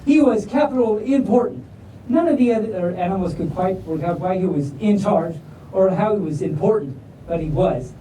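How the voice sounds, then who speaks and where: A woman's voice: mid-range voice, animated, normal speed, warm tone. A woman reading a picture book aloud at a live event, theatrical and jokey, breaking off for playful asides. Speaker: storytime reader. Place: live convention room with audience. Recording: echoey room, distant mic, faint noise.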